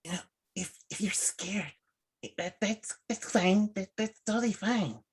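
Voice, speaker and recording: A woman playing an awkward, eager young male horror-film fan in a screenplay table read, talking in a halting, rambling way. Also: mid-range voice, husky. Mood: awkward, deflated.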